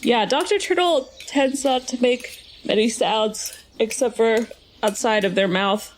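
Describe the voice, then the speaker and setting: A woman's voice: fairly high pitch, unhurried, a little hiss or hum. A woman playing a tabletop game, describing her moves in a laid-back, casual way.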